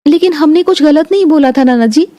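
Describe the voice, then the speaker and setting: A woman's voice: high-pitched, a little fast, dark tone, close to an everyday voice. A woman voicing a naive, earnest young daughter-in-law from a poor home in a cartoon story. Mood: meek. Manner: naive, earnest, speaks of herself as "we". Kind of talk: cartoon voice acting.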